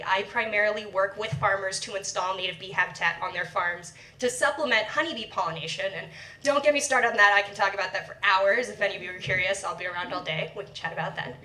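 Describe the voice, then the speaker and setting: Her pitch fairly high, a young woman researcher moves around energetically while giving a lively public lecture to a live audience in a lecture room. She speaks into a handheld or stand mic but is sometimes away from it, and the echoey room makes her sound distant.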